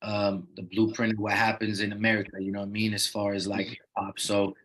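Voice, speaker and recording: Brief: young male rapper guest, raised in the Netherlands, low-pitched and monotone, easygoing and filler-heavy. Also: brisk. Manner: laid-back, loose with many "you know what I mean" fillers. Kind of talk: casual interview talk.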